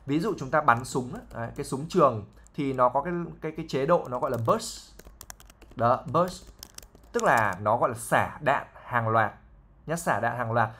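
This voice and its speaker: A man's voice: medium pitch, animated, moderate pace, sharp tone. A man, an English teacher patiently explaining a novel line by line, with fillers and frequent checks for understanding.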